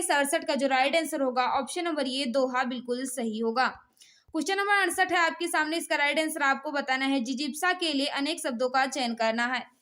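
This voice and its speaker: High-voiced Indian woman teaching a quiz. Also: a bit bright. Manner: repetitive, instructional, prompting students. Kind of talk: live exam quiz lesson, reading questions and giving answers.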